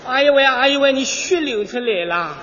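A woman's voice: sits high, expressive, brisk, fairly bright tone, in a large hall, highs cut off, slight background noise, pitched below the performer's own voice. A woman voicing a fiery young Gypsy woman in a Yangzhou accent, scolding shrilly with mock wailing.

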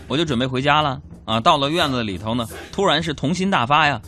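A man's voice: medium pitch, animated, quick pace, sharp tone. A man hosting a show, telling comic stories about his family in a chatty, joking, mock-grumbling way. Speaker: comedy show host. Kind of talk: comic storytelling monologue.

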